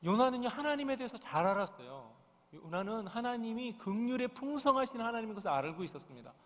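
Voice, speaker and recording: High-voiced man preaching in a church. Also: very animated, fast talker. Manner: earnest, asks the congregation questions. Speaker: pastor. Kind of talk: sermon. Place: church sanctuary. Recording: long church reverb. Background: congregation present.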